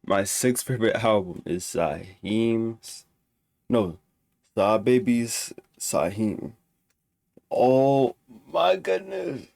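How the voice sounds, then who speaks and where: A man's voice: on the low side, expressive, extremely slow, creaky, darkish tone, no room sound. A man with a stuffy nose ranking music albums in casual, rambling talk full of restarts and fillers. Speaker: music reviewer.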